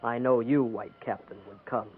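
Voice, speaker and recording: An actor playing a proud, defiant young Native American band leader in a 1950s radio western, speaking solemn, stilted English. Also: male voice, medium pitch, fairly even intonation, moderate pace, slightly rough, natural voice. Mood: proud, boastful. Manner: terse, solemn, stilted broken English, declamatory. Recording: noisy, narrow-band 1950s radio recording.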